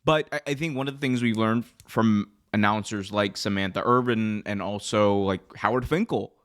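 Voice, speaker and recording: A man's voice: fairly low pitch, normal speed, fairly bright tone. A man hosting a casual wrestling news discussion, talking loosely with lots of "like" and "you know". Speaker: host of a wrestling news show.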